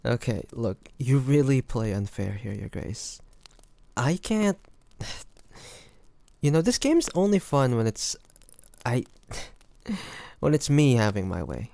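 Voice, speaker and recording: A man playing a flirty, teasing bodyguard to a noble in an intimate fantasy audio roleplay, with playful, halting delivery. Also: medium pitch, sing-song, vocal fry, mellow, dry recording, exaggerated voice. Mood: flustered, shy. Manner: playful, teasing, halting pauses, often chuckling.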